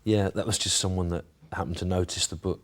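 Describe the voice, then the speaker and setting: Brief: very low-voiced English man from the Midlands, deadpan and halting, mock-serious interview answers. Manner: dry, hesitant, mock-earnest. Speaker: comedian being interviewed.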